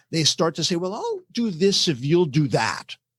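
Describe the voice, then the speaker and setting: The man's voice is somewhat breathy, with lively intonation and a moderate pace. The sound is dry and close, with no echo. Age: 60s. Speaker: author and speaker on purpose. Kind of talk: interview.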